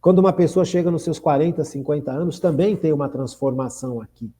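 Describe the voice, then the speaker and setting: A man's voice: a little high, quick pace, dark tone. A man in his sixties with a Brazilian Portuguese accent, hosting an earnest, reflective spiritual radio talk and often turning to ask his listeners questions. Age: 60s. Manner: earnest, repeats phrases, asks listeners questions. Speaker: radio host.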